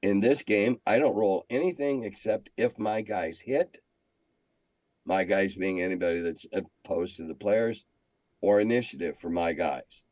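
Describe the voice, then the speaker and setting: A man's voice: fairly low pitch, a little slow, a little mellow, no room sound. An older man telling stories casually in an interview as a veteran game master, talkative and salty with dry humor.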